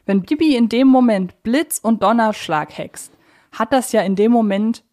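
A woman's voice: on the high side, moderate pace, warm tone. A woman, co-hosting a podcast and talking things through in a casual, reasoned, explanatory way. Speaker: podcast co-host. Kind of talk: casual fan discussion.

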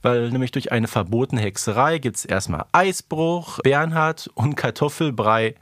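Man, mid-pitched voice, dry close sound, podcast co-host, chatty, colloquial, casual recap. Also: unhurried, fairly bright tone, dry recording. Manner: chatty, colloquial, adds tag questions. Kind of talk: casual conversational recap of an audio drama series.

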